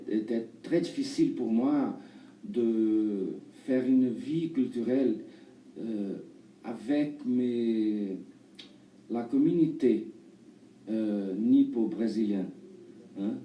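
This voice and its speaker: A man in his thirties from Brazil answers interview questions in halting, imperfect French with a Brazilian accent. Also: fairly low pitch, warm tone. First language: Portuguese. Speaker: actor and performer being interviewed. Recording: roomy, distant mic, faint noise.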